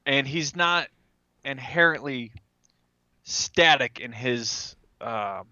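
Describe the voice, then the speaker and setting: A man's voice: mid-range voice, animated, slow, sharp tone, dry recording, muffled recording. A man playing a tabletop game, casually describing his character and chatting with the group.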